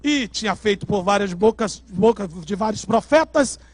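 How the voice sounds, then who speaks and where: A Brazilian man preaching as a pastor, telling his testimony dramatically and shouting at the peaks. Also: sits high, animated, normal speed, dry recording. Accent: Brazilian Portuguese. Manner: dramatic storytelling, shouting at climaxes. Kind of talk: sermon testimony. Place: church service.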